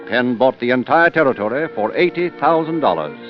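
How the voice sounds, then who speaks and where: Formal old-time radio announcer, muffled. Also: male voice, medium pitch, big pitch swings, brisk. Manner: formal, showman-like announcer delivery. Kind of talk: 1930s radio narration and interview. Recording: muffled 1930s radio recording with music.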